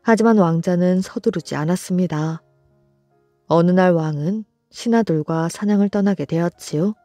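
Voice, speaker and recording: A storyteller narrating a folktale for a bedtime audiobook, in a slow, soothing, even reading. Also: medium pitch, no echo, clean studio sound. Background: soft background music.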